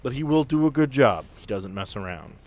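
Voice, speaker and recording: A man's voice: medium pitch, lively intonation, fairly quick, a little mellow. A man narrating a tabletop roleplaying game as game master in a casual, joking way.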